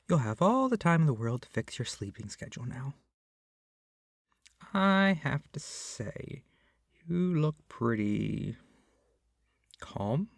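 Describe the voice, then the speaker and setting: A man performing an ASMR roleplay as a doting, awkward, possessive young male kidnapper, speaking softly and hesitantly. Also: medium pitch, vocal fry, no echo, clean studio sound, exaggerated voice. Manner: soft, hesitant, rambling, often dropping to a whisper. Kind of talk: ASMR roleplay addressed to the listener.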